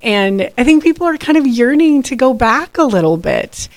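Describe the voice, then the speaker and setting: A woman's voice: high voice, very animated, normal speed. A woman hosting a Catholic radio talk show, introducing segments and guests in a friendly way with some fillers and restarts. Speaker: radio host and executive director.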